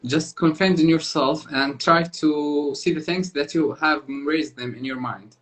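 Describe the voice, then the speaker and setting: Brief: male moderator, somewhat high voice, polite and hesitant. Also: fairly even intonation, a bit bright. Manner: polite, hesitant, fills pauses with uh. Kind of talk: interviewer asking questions.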